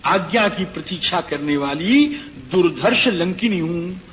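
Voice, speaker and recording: A man's voice: sits high, a little slow, fairly bright tone. A stern demon gatekeeper woman, told by a man. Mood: haughty. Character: fierce female guardian demon of a city. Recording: long hall reverb, faint background noise.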